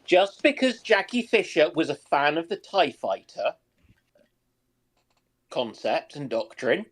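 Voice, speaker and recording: A man chatting casually on a livestream call, asking questions in a hesitant, halting way. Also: on the high side, very animated.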